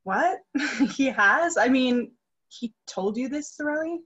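A woman's voice: sits high, expressive, slow pace, a bit bright, husky, full character voice. A young woman playing an eager, innocent opera singer in a staged reading. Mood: eager, surprised. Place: room at home, video call. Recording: dull, muffled video-call audio.

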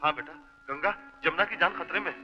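An actor playing a loyal, wisecracking family friend in a 1960s Hindi film, joking at times and earnestly pleading at others. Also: male voice, on the high side, lively intonation, moderate pace, lightly acted. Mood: urgent. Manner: joking one moment, pleading the next. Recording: dull old film soundtrack with music.

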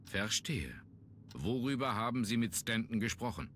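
An actor playing a businesslike police inspector in a video game, inquisitive and matter-of-fact. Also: male voice, mid-range voice, animated, moderate pace, a bit bright, a little hiss or hum, lightly acted. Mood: probing. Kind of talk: German video game voice acting.

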